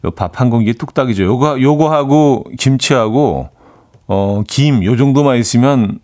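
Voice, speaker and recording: A man's voice: mid-range voice, moderate pace. Laid-back rambling male radio DJ. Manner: relaxed, rambling, many fillers. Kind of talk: casual radio chat reading listener messages.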